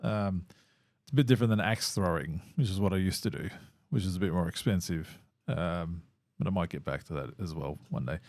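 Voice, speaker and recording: Hoarse man, low rambling chat. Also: a little fast, darkish tone, no echo, studio quality. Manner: rambling, lots of fillers and restarts. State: hoarse, losing his voice. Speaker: podcast host. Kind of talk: casual solo podcast chat. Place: home.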